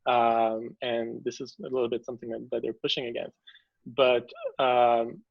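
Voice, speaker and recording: A man answering as an interview guest, talking hesitantly and with care, often pausing and restarting. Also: mid-range voice, little pitch movement, vocal fry, dry recording, muffled recording. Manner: hesitant, many fillers and restarts, measured. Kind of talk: conversational interview.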